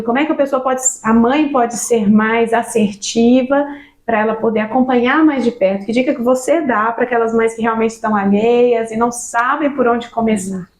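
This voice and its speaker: A woman's voice: on the high side, brisk. A Brazilian woman hosting an interview, asking thoughtful guiding questions. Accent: Brazilian Portuguese. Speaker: interview host. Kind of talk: casual interview conversation. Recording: roomy echo.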